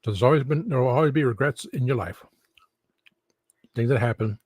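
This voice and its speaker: A man's voice: medium pitch, a little fast, a little mellow, slightly rough, no room sound. A man streaming casual talk, rambling and meandering as he goes. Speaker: streamer, host. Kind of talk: rambling casual livestream chat.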